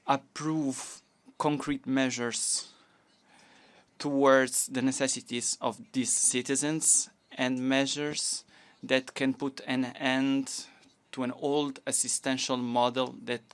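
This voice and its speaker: This woman minister from Portugal, whose first language is Portuguese, delivers a formal conference statement in a second language. Her very deep, smooth, resonant voice stays flat as she speaks slowly and carefully, halting and restarting at times.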